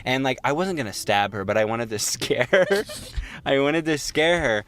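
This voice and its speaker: A man's voice: mid-range voice, expressive, moderate pace, fairly bright tone, a little hiss or hum. A young man co-hosting a podcast, telling stories casually in a self-mocking, digressive way with some swearing. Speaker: podcast co-host. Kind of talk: casual chat, rambling storytelling.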